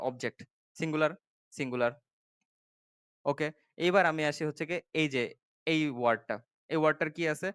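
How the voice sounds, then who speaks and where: Male tutor, smooth slightly high voice, dry close mic. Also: fairly bright tone, dry recording. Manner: explains step by step, often asking "ঠিক আছে?" to check understanding. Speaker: English tutor. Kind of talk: classroom-style grammar lesson.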